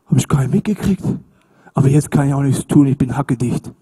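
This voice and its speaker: A man's voice: mid-range voice, brisk, warm tone, breathy edge, voice pushed down. A man voicing a drunk, careless male God lounging at a heavenly bar, with a slurring, blustering, offhand manner. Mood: tipsy, careless.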